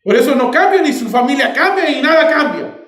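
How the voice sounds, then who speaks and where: A man with a Peruvian accent preaching a sermon as pastor, lively and acting out little dialogues as he talks. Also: very high voice, fairly quick. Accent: Peruvian Spanish. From Peru. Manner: animated, acts out dialogues with shifting voices. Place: church sanctuary. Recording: echoey church hall.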